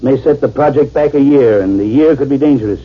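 An actor playing a weary, anxious Air Force general with grave authority and a husky voice in a 1950s radio drama. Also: male voice, mid-range voice, a little fast, natural voice. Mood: grave, tired. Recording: dull lo-fi 1950s radio recording.

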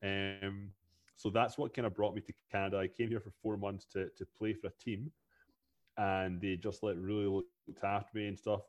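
A man with a Scottish accent talks as a guest on a podcast, his voice sitting fairly low. He is in his thirties and chats freely, often repeating a word before his sentence gets going. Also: flat delivery, moderate pace. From Scotland. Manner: chatty, repeats words when starting sentences. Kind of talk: casual interview chat.

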